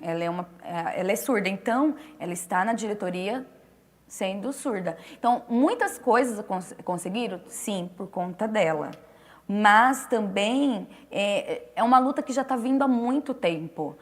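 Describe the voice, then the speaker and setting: A woman interpreter explaining in a relaxed conversational way, restarting phrases and pausing as she talks. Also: mid-range voice. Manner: explanatory, with frequent restarts and fillers. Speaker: sign language interpreter.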